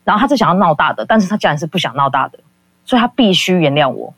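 A caller rattles through a personal story at a quick clip. The talk rambles, full of fillers, with quoted people acted out along the way. The sound is dry and close, with no room around it. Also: mid-range voice, sing-song, a bit bright, breathy edge, dry recording. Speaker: call-in guest. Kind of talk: casual confessional storytelling.

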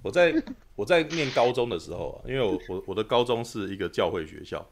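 A man rattles along at a quick clip in casual podcast chat. His pitch swings widely as he spins his stories, and he keeps checking in with his listeners. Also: vocal fry, a little hiss or hum. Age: 40s. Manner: animated storyteller, keeps asking "you know?". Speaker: podcast co-host.

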